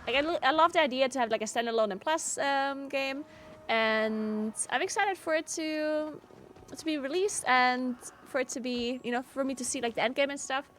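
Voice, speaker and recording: A chatty woman streamer from South Tyrol, Italy, whose first language is German, speaks at a normal pace in a high, slightly bright voice. She chats casually while gaming, answering her chat and often using "like" as filler, with slight background noise.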